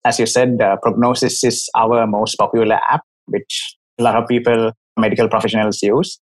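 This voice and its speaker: A Sri Lankan doctor in his thirties, who is also a company CEO, appears as a guest in a casual interview over a video call. With a Sri Lankan accent, he tells his story frankly and articulately, in a medium-pitched, steady voice at a moderate pace.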